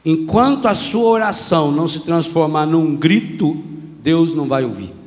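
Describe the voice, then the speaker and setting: A Brazilian man with a Brazilian Portuguese accent, preaching a lively, humorous sermon as a priest and acting out voices, in a reverberant church hall. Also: fairly high pitch, moderate pace, a little hiss or hum.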